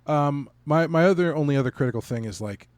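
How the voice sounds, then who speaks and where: A man co-hosting a podcast, giving a casual conversational review in a halting, measured way as he thinks aloud. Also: on the high side, lively intonation, a little mellow, dry recording. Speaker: podcast co-host reviewing a stage play.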